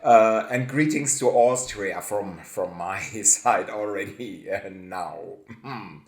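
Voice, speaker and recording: Slow, halting German-speaking man host. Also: on the low side, reverberant. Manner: hesitant, halting, laughs often. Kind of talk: casual chat.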